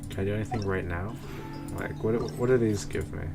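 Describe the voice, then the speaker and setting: A man's voice: fairly low pitch, brisk, creaky, over music. A man chatting casually as he streams a game, rambling and often repeating himself. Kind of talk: casual livestream chat.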